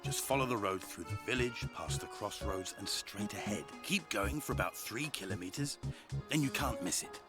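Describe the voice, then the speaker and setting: Old fisherman, grumpy, hushing, game voice acting, low-pitched, game music. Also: animated, normal speed. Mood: gruff. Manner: hushing, curt, set in his ways. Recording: game audio under loud music.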